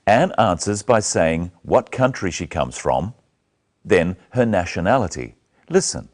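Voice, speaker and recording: A middle-aged man presenting a scripted English lesson, speaking slowly and clearly into a lapel mic. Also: sits low, animated. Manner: slow, clear, carefully spoken. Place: small studio set, indoors.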